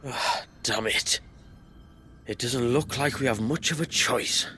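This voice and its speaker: An actor playing a defiant tribal chief in a video game, speaking earnestly and emotionally. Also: male voice, mid-range voice, slow, bright, forceful tone, a little hiss or hum. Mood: resigned. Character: desperate, defiant young tribal chief, male. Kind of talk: dramatic game dialogue. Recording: music behind.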